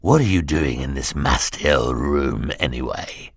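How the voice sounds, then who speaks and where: A man voicing a cruel hook-handed henchman with a croaking voice in an audiobook, speaking in a low threatening whisper. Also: unhurried, no room sound, studio quality, heavily acted. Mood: sneering. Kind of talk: audiobook character voice.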